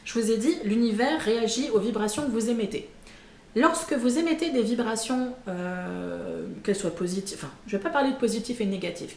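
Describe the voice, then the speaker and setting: A woman's voice: on the high side, a little mellow. A woman talking casually to her viewers about personal development, chatty and full of fillers and self-mocking asides. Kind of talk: casual spoken explainer to camera. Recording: echoey room with faint ambient noise.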